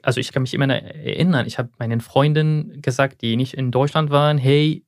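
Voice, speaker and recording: Young guy in an interview, pauses to find his words, dry close sound. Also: mid-range voice, fairly even intonation, dry recording. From Syria. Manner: thoughtful, searching for words, some slips in German. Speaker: guest. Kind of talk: reflective interview answers.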